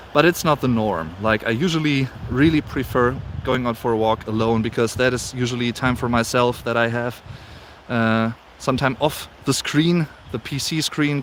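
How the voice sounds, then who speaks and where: A man's voice: medium pitch, slight background noise. Chatty German man streaming on a walk. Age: 20s. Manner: chatty, reads viewer comments aloud, frequent fillers and repeats. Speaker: live streamer. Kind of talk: casual live-stream chat. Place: outdoors on a snowy walk.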